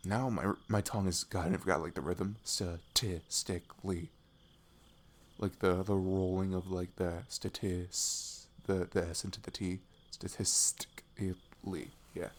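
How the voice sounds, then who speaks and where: A young American man playing a goofy, affectionate best friend in an intimate ASMR roleplay, chatting in a rambling, self-deprecating way. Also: sits low. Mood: playful, rambling. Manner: rambling, giggly, self-deprecating, drops into murmurs.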